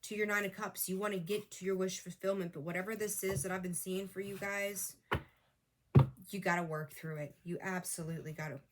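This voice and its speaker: A woman's voice: medium pitch, fairly even intonation, fairly quick, very noisy. A woman reading tarot who talks straight to viewers in an earnest, coaching way, repeating her advice, with a voice that is wearing thin. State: losing her voice, clearing her throat. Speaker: tarot reader. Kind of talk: casual spiritual tarot reading.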